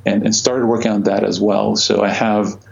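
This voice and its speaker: A man's voice: on the low side, little pitch movement, moderate pace, gravelly, muffled recording. A man in his forties from Croatia, answering interview questions about his career in a hesitant way, with many fillers and restarts. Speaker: astronomer guest.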